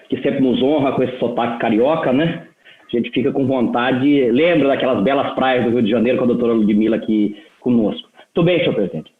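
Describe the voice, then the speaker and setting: A man serving as judge rapporteur, reading a formal court report with frequent hesitations and restarts. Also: a little high. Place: courtroom session. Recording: echoey, phone-like sound.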